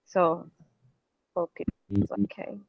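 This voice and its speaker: A woman's voice: on the low side, fairly even intonation, creaky, dry recording. Tired woman on a bad call line. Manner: halting, repeats words, apologetic. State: tired, exhausted. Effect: bad call connection. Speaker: caller asking a spiritual teacher. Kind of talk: hesitant questions on a call. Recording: dull, dry call line.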